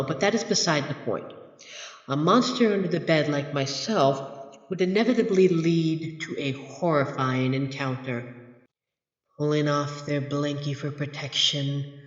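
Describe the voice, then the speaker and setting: A man playing a grumpy, haughty monster from under a child's bed in an audio roleplay, speaking in a dry, pompous, deliberate way with exasperated sighs. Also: on the high side, muffled recording, close to an everyday voice. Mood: smugly menacing. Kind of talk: scripted ASMR roleplay audio drama. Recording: echoey, reverberant room effect.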